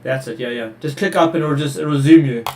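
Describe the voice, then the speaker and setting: A man's voice: mid-range voice, a little fast, darkish tone, roomy sound, far from the mic, slight background noise. A man from Wales hosting a casual team video call, chatty and upbeat, guiding people around. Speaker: host.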